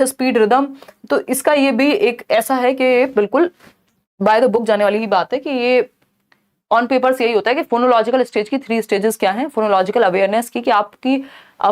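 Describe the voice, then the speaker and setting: A woman teacher going through exam questions, reading each one slowly and then explaining it quickly, asking herself questions and answering them. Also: on the high side.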